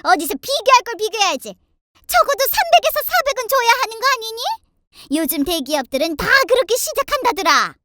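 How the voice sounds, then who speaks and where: A woman's voice: extremely high pitch, big pitch swings, fairly bright tone, dry recording, pitched above the performer's own voice, exaggerated voice. A woman voicing a nagging, indignant older mother-in-law with a scolding, haughty manner in a dramatized family story. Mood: sarcastic, outraged. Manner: scolding, haughty, rapid complaints.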